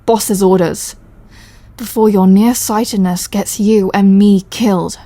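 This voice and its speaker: A woman's voice: medium pitch, fairly even intonation, unhurried, mellow, no room sound, close to an everyday voice. A British woman playing an apologetic, sardonic mafia boss with a protective, flirty streak in an ASMR audio roleplay. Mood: exasperated. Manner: dry, sardonic, sighing, exasperated. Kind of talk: ASMR audio roleplay, close scripted acting.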